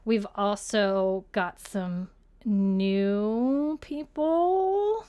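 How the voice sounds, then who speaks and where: A woman's voice: mid-range voice, drawn-out words, mellow, clean tone. A woman co-hosting a casual livestream, chatting through announcements for the audience. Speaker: show co-host.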